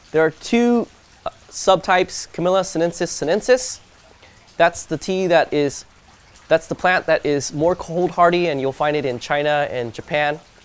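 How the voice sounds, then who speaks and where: Over noticeable background noise, the voice moves at a moderate pace in a relaxed tone. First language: Teochew. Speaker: gardening video creator. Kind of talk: casual tutorial. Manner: relaxed, hesitant with fillers.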